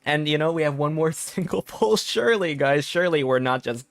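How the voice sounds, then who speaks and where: A young man streaming a video game, chatting casually with his viewers, often laughing and getting loudly excited. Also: on the high side, brisk, vocal fry, no echo. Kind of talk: casual gaming livestream chat. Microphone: desk mic with limiter filter.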